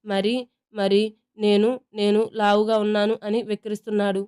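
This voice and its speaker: Bickering young girl, read by a female storyteller, mellow smooth voice, level. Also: medium pitch, flat delivery, brisk, natural voice. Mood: sulky. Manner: loud and bickering. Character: bossy loud young girl, quarrelsome.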